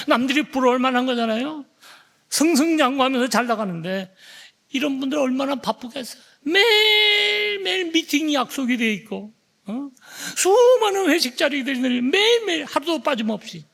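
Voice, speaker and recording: A man in his seventies preaching a sermon as pastor, telling a story with animated flair and tagging lines with a questioning "eh?". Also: very high-pitched, creaky. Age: 70s. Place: church sanctuary. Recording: long church hall reverb.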